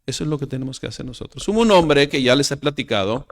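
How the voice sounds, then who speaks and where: A man, preaching a sermon to his congregation, calling them brothers, asking rhetorical questions, and moving between loud emphatic lines and quiet trailing asides. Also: mid-range voice, lively intonation, quick pace. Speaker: pastor.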